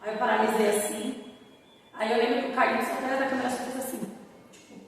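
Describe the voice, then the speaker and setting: Woman, high voice, teacher, lively storyteller, laughs easily, distant mic, very echoey room. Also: fast talker. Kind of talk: casual interview chat.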